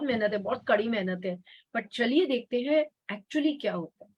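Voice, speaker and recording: A woman talks in an animated tone with lively intonation. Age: 60s. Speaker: motivational speaker in network marketing. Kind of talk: motivational seminar talk.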